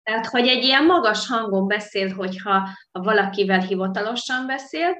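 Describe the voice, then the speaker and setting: A woman's voice: mid-range voice, pushed and bright. Woman guest in an echoey room. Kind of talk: conversational interview.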